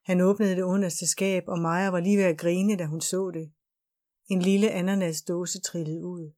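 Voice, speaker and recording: Woman narrator, low voice, steady audiobook reading. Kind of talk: scripted narration.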